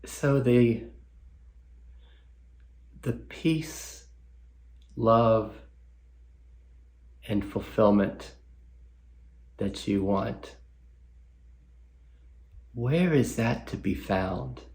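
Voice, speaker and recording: A man leading a guided meditation as a guest teacher, speaking gently with long pauses and reflective questions. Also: on the low side.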